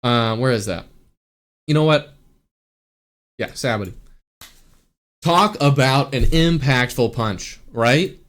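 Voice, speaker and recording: Male YouTuber, mid-pitched, excited and rambling fan commentary full of fillers and restarts. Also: slow pace, pauses often. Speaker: YouTuber ranking anime arcs.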